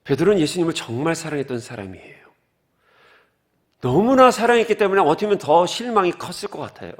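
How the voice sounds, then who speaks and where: Man, pastor, sermon, fairly high voice, asks the congregation questions. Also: fast talker. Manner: animated, asks the congregation questions, explains scripture words.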